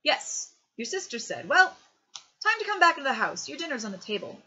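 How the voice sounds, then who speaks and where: A woman voicing a stern, short-tempered father who scolds his young son and rises to shouting. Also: high voice, sing-song, normal speed, lo-fi sound, pitched above the performer's own voice, full character voice.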